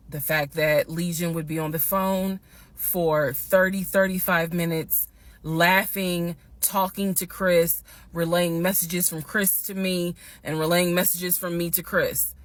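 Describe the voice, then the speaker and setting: A woman casually telling a personal story to her viewers, animated and emphatic, slowing down to stress the key points. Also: fairly low pitch. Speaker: storytime vlogger.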